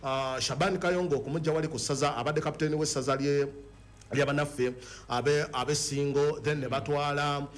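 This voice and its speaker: A man's voice: a little high, steady tone, brisk. A man with a Ugandan accent presenting a football discussion, mixing English words and phrases into his speech. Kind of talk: sports discussion.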